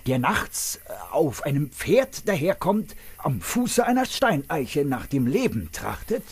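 A wily swashbuckling nobleman acted by a man bluffs his way along in a comic radio play. His highish voice swoops widely as he draws out each flowery, melodramatic phrase. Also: big pitch swings, slow, husky, full character voice. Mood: ominous, grandiose. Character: wily, theatrical nobleman adventurer, bluffing grandly.

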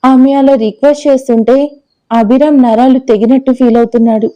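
A woman narrating a scripted romantic audio story in a steady, expressive way. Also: high-pitched, brisk, lo-fi sound.

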